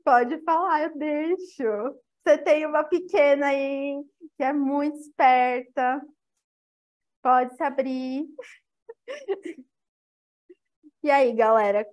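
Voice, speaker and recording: High-voiced young woman giving a lively talk. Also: slow pace, pauses often, muffled recording. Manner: lively, engaging the audience directly. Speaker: lecturer. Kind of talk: interactive spiritual talk.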